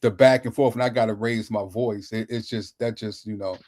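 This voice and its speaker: A man speaking on a casual panel discussion, halting and repeating words as he works toward his point. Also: lowish voice, fairly even intonation, a little mellow.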